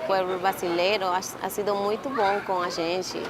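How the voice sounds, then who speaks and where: A Venezuelan woman in her twenties with a Venezuelan Spanish accent, speaking Portuguese as a second language and telling her own story with pauses as she searches for words. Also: mid-range voice, level tone, noisy background. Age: 20s. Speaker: interviewee. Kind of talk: casual personal account.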